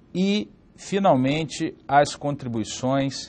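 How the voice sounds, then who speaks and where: A man speaks with lively intonation. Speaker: law professor. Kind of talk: lecture.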